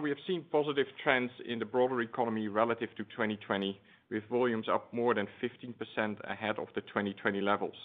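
A man speaking as a company executive, giving a formal, businesslike scripted earnings presentation over a conference phone line. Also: lowish voice. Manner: formal, businesslike corporate delivery. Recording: tinny, band-limited conference phone line.

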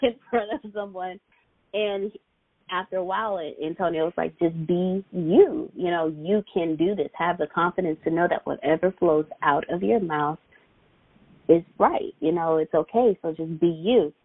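Female podcast host, earnest, laughs easily, slightly low-pitched, phone-quality audio. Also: moderate pace, dry recording. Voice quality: high-pitched voice. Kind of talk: podcast interview. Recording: tinny phone-like line, dry.

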